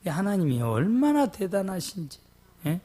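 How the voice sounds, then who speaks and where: Male pastor, revival sermon, slightly high voice, storytelling, acts out dialogue. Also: moderate pace. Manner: animated, acts out dialogue, often asks the congregation "예?".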